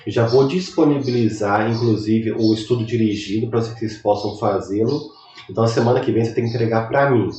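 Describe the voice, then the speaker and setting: A man's voice: on the low side, warm tone, echoey room. Man, Brazilian Portuguese accent, sniffly from a cold, rambling lecturer, distant mic, dull lo-fi sound. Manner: rambling, conversational, chatty asides. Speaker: university lecturer. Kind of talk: recorded online lecture.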